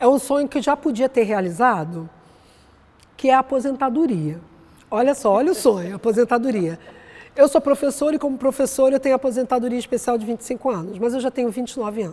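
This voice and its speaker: At a very fast pace, a woman speaks with a high pitch, a dark, mellow tone and lively intonation. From Rio de Janeiro, Maré favela (Brazil). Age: 50s. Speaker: teacher and community museum worker. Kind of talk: interview. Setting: museum.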